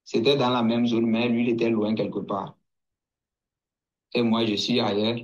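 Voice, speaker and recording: A man from Togo giving a slow personal testimony. He hesitates, restarts and repeats words as he recalls events. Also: medium pitch, flat delivery, lo-fi sound. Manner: hesitant, halting, with many restarts and repetitions.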